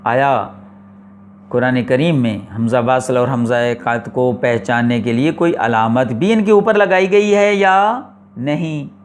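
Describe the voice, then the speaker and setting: A man teaching the rules of Quran recitation in a classroom lecture, explaining slowly and deliberately, repeating his points and asking rhetorical questions. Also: mid-range voice, a little hiss or hum. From Pakistan.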